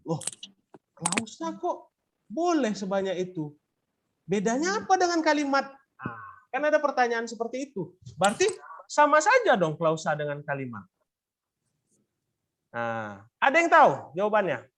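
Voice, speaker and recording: A man's voice: very high voice, sing-song, normal speed, long pauses, fairly bright tone, a little hiss or hum. A male teacher explaining grammar to students, asking questions and prompting them to answer. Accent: Indonesian. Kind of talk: classroom lesson.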